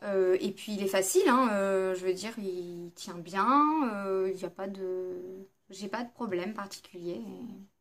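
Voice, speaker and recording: A woman's voice: mid-range voice, unhurried, a bit bright. A woman vlogger chatting casually through a makeup palette review, hesitant and full of fillers. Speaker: beauty vlogger.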